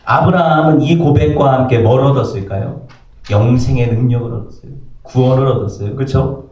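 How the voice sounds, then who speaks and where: A man's voice: medium pitch, a little fast, lo-fi sound. A man preaching a sermon as pastor, asking his congregation questions and acting out the voices in the stories he tells. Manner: lively preaching, acts out voices in quotes, asks the congregation "그죠?". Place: church sanctuary. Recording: echoey church hall, mic at a distance.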